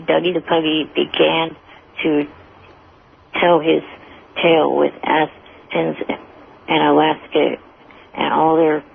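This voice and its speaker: A man speaking as a guest writer in a halting, flat way with a gravelly creak in his voice. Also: on the high side. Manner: slow, halting, flat delivery. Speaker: show guest, amateur writer. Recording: tinny phone-like line with hiss.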